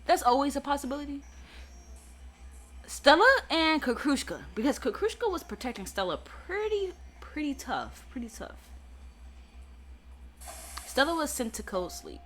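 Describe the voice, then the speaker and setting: Woman, let's play host, excitable, stammering, bright voice, very lively pitch. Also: measured pace, long pauses. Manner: excitable, stammering, reacts out loud. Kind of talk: game commentary.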